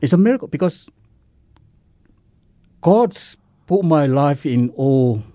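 Earnest Samoan man, mellow and dry. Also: fairly high pitch, expressive, no room sound. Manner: earnest, halting, simple non-native English. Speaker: guest sharing recovery story. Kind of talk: radio interview.

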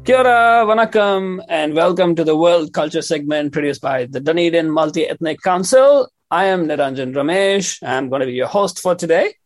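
A man's voice: on the high side, expressive, normal speed, few pauses, soft background music. A man hosting a community radio interview, friendly and rambling with many fillers. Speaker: radio host.

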